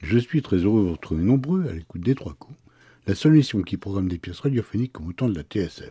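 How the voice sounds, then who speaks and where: A man talks very fast in a fairly low, somewhat breathy voice with a dark, mellow tone, very wide pitch swings and big swings in loudness, the sound dry and close with no echo. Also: very clean recording, silent background. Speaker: radio host. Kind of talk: radio show introduction.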